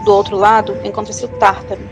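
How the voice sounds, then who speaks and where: A woman's voice: medium pitch, flat delivery, fast, lightly acted. Woman acting a solemn Brazilian prophetess, music behind. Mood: grave. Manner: solemn, declamatory.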